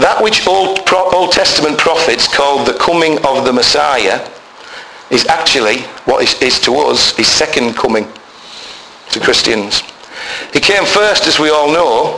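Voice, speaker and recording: A man with a Yorkshire accent speaks at a fairly high pitch and moderate pace with ordinary pitch variation, over noticeable background noise. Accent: northern English (Yorkshire). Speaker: lay preacher and schoolteacher. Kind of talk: sermon. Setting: church.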